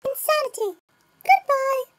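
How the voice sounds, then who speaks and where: A performer voicing a bossy, unimpressed young female mouse in a parody cartoon dub, with curt, deadpan put-downs. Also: very high-pitched, measured pace, very noisy. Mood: curt, scornful.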